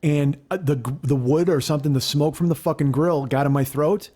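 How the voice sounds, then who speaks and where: A man in his forties hosting a podcast, telling stories in a casual, profane, animated way. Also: fairly high pitch, brisk. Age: 40s. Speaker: podcast host. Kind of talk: casual chat.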